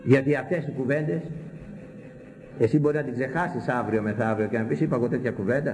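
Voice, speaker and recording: A man preaching a sermon with fiery repetition, his voice leaping up into high exclamations. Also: darkish tone, in a large hall, slight background noise, low-quality recording.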